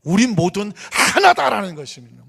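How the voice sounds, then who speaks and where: High-voiced male pastor preaching in a reverberant church. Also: big pitch swings, fairly quick, creaky, fairly bright tone, slightly rough. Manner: asks rhetorical questions and answers them. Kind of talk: sermon. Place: church sanctuary. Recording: long church hall reverb.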